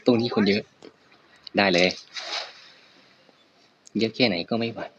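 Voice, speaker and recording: A man giving loud, excitable and profane commentary while playing a video game. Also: lowish voice, takes it slowly, highs cut off, a little hiss or hum. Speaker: gaming streamer. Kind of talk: casual gameplay commentary. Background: faint birds chirping.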